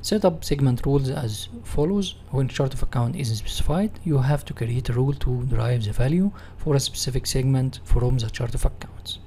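A man with an Egyptian Arabic accent giving a software tutorial in non-native English, reading and rephrasing as an instructor. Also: medium pitch, normal speed, few pauses, a little hiss or hum.

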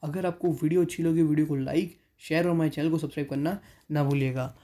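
Man, stock market voice-over host, very dark mellow tone, mixes in english terms. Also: a little high, steady tone, quick pace. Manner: mixes English terms into Hindi, reads figures aloud with self-corrections.

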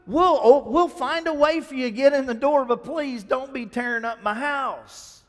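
A man's voice: very high voice, normal speed, in a large hall, pitched above the performer's own voice. A pastor acting out a flustered male homeowner pleading with people not to tear up his roof.

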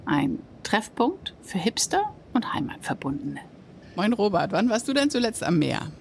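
A woman's voice: medium pitch, very animated, normal speed, creaky, a little hiss or hum. A woman hosting a podcast interview, chatty and prompting her guest with little tag questions. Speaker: podcast host. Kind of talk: casual interview.

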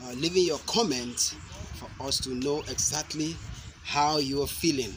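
A young man demonstrating self-defense moves, explaining each step slowly and deliberately, with sharp shouted cries on the strikes. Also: on the high side. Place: outdoor concrete court. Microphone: camera mic at a distance. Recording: outdoor noise from a camera mic.

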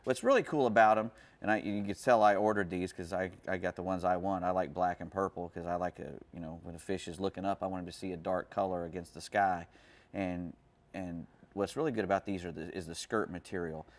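A man's voice: sits low, steady tone, a little fast. A man presenting fishing gear in casual show chat, rambling with many restarts.

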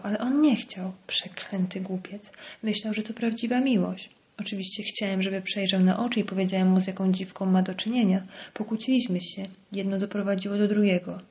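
A woman's voice: mid-range voice, fairly even intonation, fairly quick, a little mellow, highs cut off, natural voice. A woman voicing a bitter, venomous middle-aged male village doctor in an audiobook, sneering and dropping into hissed whispers. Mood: weary. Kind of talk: audiobook character voice.

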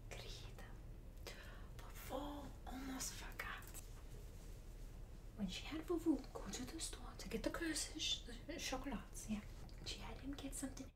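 A woman's voice: sits high, unhurried, long pauses. A woman playing a doting, talkative Portuguese grandmother in an ASMR roleplay, with a Portuguese accent and affectionate, rambling broken English. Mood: affectionate, delighted. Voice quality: whispery, breathy. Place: small room at home.

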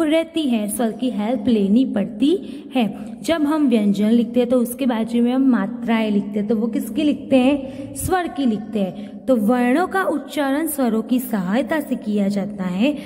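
Slow, high-voiced woman teaching. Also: dark tone, in a large hall. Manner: slow, repeats questions and answers them herself; mixes English words into her talk. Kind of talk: recorded classroom lesson.

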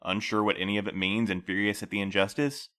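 A man playing a calm, patient middle-aged postmaster who interviews new couriers, speaking gently and in a measured way. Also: on the low side, smooth. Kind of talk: audio drama acting.

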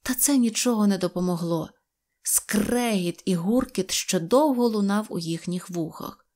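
A woman reading an audio fairy tale in an expressive storytelling manner. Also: mid-range voice, a little slow. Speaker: narrator.

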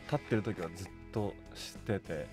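A man's voice: deep voice, normal speed. A man chatting casually as a guest in a radio studio. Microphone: studio microphone on boom arm. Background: background music.

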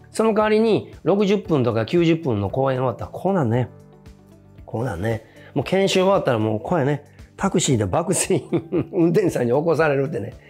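A man with a Kansai accent, an educator and former junior high teacher, giving a morning motivational talk with emphatic repetition. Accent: Kansai Japanese. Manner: animated, emphatic, repeats key phrases.

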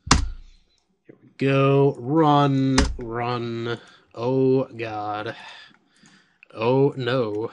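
Slow-talking, slightly hoarse man. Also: mid-range voice, background noise. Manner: off-the-cuff, thinks aloud, swears when surprised. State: slightly hoarse, losing his voice. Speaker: software reviewer. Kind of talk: casual screen-recorded software review.

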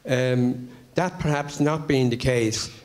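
A middle-aged man from Ireland speaking from the floor at a public convention, halting with many fillers, into a handheld microphone in a large conference hall. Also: mid-range voice, a little mellow. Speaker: convention member. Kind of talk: floor comment at public meeting.

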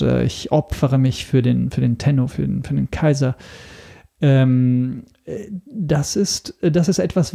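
A man speaking as a podcast guest in a casual interview, explaining things haltingly as he searches for words. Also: mid-range voice, creaky, dark tone.

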